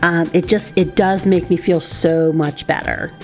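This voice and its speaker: A woman's voice: lowish voice, steady tone, a little slow, loud music behind the voice. A woman in her fifties, a stay-at-home mom chatting casually to her viewers as friends while cleaning her home. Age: 50s. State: out of breath. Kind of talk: casual clean-with-me voice-over chat.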